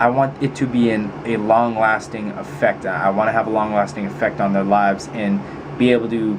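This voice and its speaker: A man's quiet, fairly low voice at a fairly quick pace amid noticeable background noise. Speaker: fitness vlogger. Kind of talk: casual vlog monologue. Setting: his bedroom.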